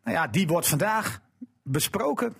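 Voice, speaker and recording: A man with a somewhat high, husky voice talks football in a casual chat. His pitch swings widely as he throws questions at the others and passes on news. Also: a little slow. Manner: animated, questioning, pitch jumps when asking.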